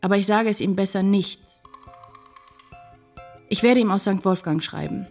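An actress playing an anxious, tender writer in love, narrating a literary radio drama in an intense, confessional way. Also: female voice, mid-range voice, normal speed, a little mellow, lightly acted. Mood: longing, resolute. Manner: intense, confessional first-person storytelling. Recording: music behind the voice. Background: music.

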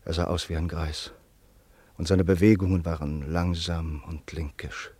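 An actor narrating a radio drama as a solemn, measured male storyteller. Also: sits low, little pitch movement, darkish tone, husky, dry recording.

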